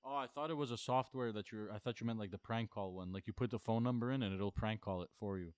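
A man co-hosting a podcast in casual chat, teasing and blunt, with quick reactions. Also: on the low side, a little mellow, clean tone, no echo, clean studio sound. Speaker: podcast co-host.

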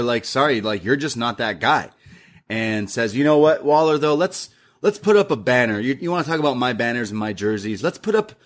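A young man casually recapping a wrestling show, retelling lines in a lively, animated way. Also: medium pitch. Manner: lively recap with acted-out quotes.

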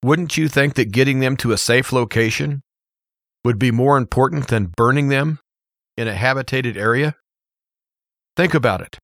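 An American man hosting a radio show, giving an opinion monologue in an emphatic, deliberate way with rhetorical questions. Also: mid-range voice, fairly bright tone, no room sound, clean studio sound.

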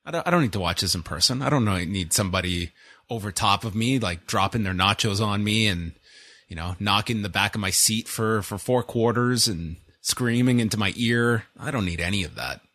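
Chatty, sarcastic Canadian podcast host. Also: male voice, lowish voice, fairly quick, fairly bright tone, no echo. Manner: chatty, dry sarcastic humor. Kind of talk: casual chat.

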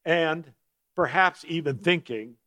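A man preaching a sermon as a guest speaker, slowing down to lean on key words and clearing his throat now and then. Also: a little high, bright, forceful tone, no room sound. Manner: measured preaching with slowed emphasis on key words.

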